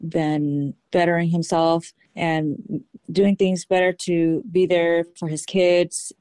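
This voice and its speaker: A woman speaking about family in an interview, slow and deliberate. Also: on the low side, little pitch movement, mellow, smooth, no echo. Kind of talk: interview talk.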